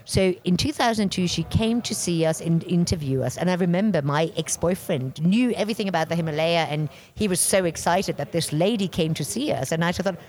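A woman from Bavaria, in her forties, talking loudly and animatedly as an interview guest. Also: on the low side, brisk, hardly any pauses. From Germany, Bavaria. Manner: loud, animated storyteller. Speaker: interview guest, expedition record keeper. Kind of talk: casual interview talk.

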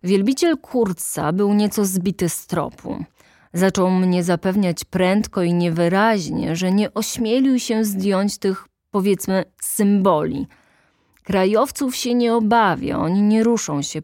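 Slow, measured woman audiobook narrator. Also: medium pitch, a little mellow, no echo, studio quality. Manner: measured, deliberate, dramatic pauses. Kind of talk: literary audiobook reading.

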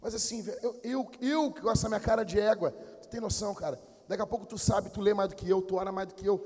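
A man with a Brazilian accent preaching a sermon in a church, blunt and slangy, dropping to low mutters and then bursting into shouts. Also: fairly even intonation, fast, long reverb tail. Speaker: pastor.

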